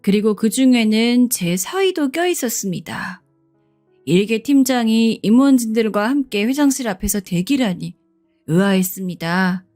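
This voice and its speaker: A woman reading a first-person radio story in a steady scripted narration, over faint background music. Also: fairly high pitch, moderate pace.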